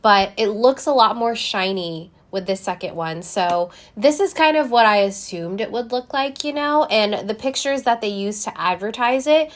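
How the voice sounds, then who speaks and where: A woman's voice: mid-range voice, animated, normal speed, few pauses. A young woman talks casually to her viewers while trying on lipstick, explaining each step as she goes. Her voice is a little congested from a recent cold. She is recorded close to the camera in a small room. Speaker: beauty vlogger. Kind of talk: casual product review.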